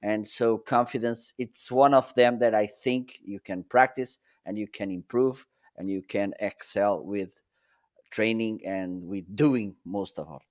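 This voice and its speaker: A middle-aged man with a Portuguese accent, a native Portuguese speaker, chatting casually as a guest on a live stream over a video call, laughing often and phrasing haltingly. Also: lowish voice.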